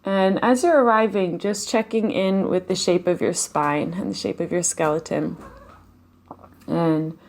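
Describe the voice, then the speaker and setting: A woman leading a live guided meditation, speaking softly and slowly with long pauses and audible sighs. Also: fairly low pitch, steady tone. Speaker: meditation teacher. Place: home, live online session.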